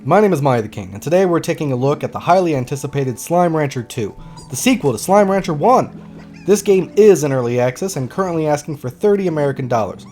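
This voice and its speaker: A man with a stuffy cold, narrating a sarcastic, apologetic video game review over soft background music. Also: fairly high pitch, lively intonation, a little fast.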